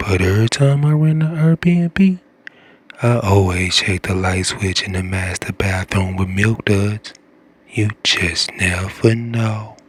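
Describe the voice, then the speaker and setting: Through noticeable background noise, a man speaks at a very slow pace and a fairly low pitch with lively intonation. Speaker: ASMR creator. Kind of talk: comedic ASMR talk to camera.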